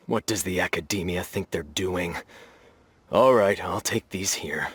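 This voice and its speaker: A man's voice: sits low, slow pace, fairly bright tone, husky, no echo, soft background music, heavily acted. A man voicing an unimpressed male black-market buyer in a video game, grumbling casually.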